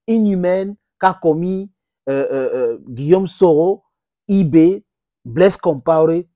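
A middle-aged man whose first language is English, giving impassioned direct-to-camera political commentary on a lapel mic, with sudden jumps in pitch for emphasis. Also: darkish tone, dry recording, clean studio sound. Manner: impassioned, gesturing, addresses viewers as friends, pitch jumps for emphasis. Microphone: clip-on lapel mic.

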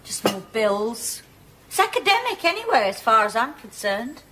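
A weary wife in a sitcom, gently reproachful in a bright, lively voice. She sounds a little off-mic in an old TV broadcast with faint hiss. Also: a little high, moderate pace. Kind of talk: sitcom acting. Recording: noisy TV audio from across the room.

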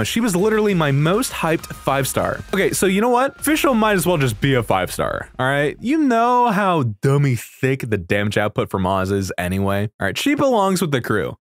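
A young man giving casual, slangy and excitable reaction commentary as a video creator, swearing freely. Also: mid-range voice. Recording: music playing behind the voice. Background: game trailer music.

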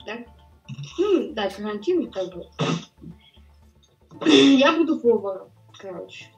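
A woman's voice: a little high, animated, slow pace, distant mic, highs cut off, soft background music. A teenage girl from the Sverdlovsk region chatting from home, blunt and offhand. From Sverdlovsk region, Russia. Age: teens. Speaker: video chat stranger. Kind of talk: casual chat. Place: home room, indoors.

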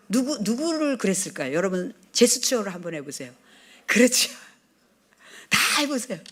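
A middle-aged woman pastor preaching a sermon, telling stories with lively acted-out dialogue and questions to the congregation. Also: on the high side. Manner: lively storytelling, acting out dialogue, asking the congregation.

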